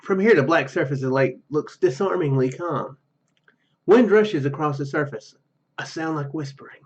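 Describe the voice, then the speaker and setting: A man's voice: on the high side, moderate pace. A man reading a game's narration aloud and adding casual commentary as a gaming video host, on a slightly lo-fi microphone.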